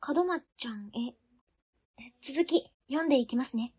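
A woman's voice: high-pitched, expressive, measured pace, husky, exaggerated voice. An actress playing a polite, methodical young female civil servant in an amateur web radio drama.

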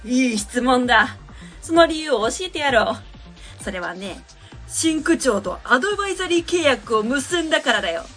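A haughty adviser in a radio play talks down to staff in a high, bright voice that swings widely, acted by a woman. The manner is lofty and commanding, and soft music plays underneath. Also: big pitch swings, moderate pace. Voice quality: pompous and commanding. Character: haughty, domineering adviser of uncertain age. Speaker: adviser character. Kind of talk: amateur web radio drama acting.

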